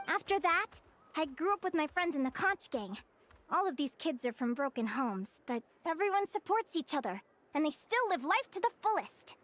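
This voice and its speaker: A young woman from a game looks back on her childhood with quiet sincerity. Her voice sits high and light, and her telling is steady and reflective. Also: normal speed. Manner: earnest, reflective storytelling. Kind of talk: game character dialogue.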